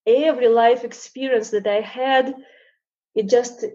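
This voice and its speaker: A woman's voice: fairly high pitch, fairly even intonation, measured pace, warm tone, lo-fi sound. A woman in her thirties, born in Russia with Russian as her first language, chatting as an interview guest, hesitant with many fillers. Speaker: guest, painter. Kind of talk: casual interview chat.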